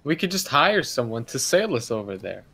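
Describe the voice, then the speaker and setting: A man's voice: mid-range voice, sing-song, normal speed, creaky, pushed and bright. A man playing a tabletop roleplay game, bantering casually in slangy, joking language.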